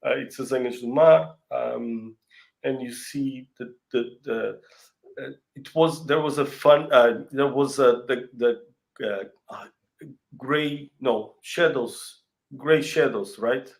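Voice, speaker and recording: A man's voice: medium pitch, vocal fry. A man with a Portuguese accent, a native Portuguese speaker, chatting on a video call and stopping often to search for his words. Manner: halting, searching for words, frequent fillers and restarts. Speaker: real estate company country head. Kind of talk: casual interview chat.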